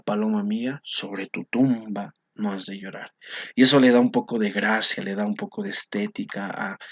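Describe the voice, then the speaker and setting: A man's voice: mid-range voice, fairly bright tone, husky. A male teacher explaining poetry to his class, often checking in with short tag questions. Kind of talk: recorded class lesson on poetry.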